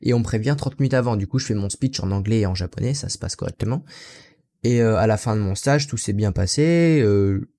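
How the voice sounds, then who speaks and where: A young man from France chats through his story in a somewhat low voice. He rambles in a casual way, stacking up fillers as he goes. He talks like a teacher being interviewed about his path into the job. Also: fairly quick, dark tone. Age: young adult. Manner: chatty, rambling, keeps tossing in "you know" and "so".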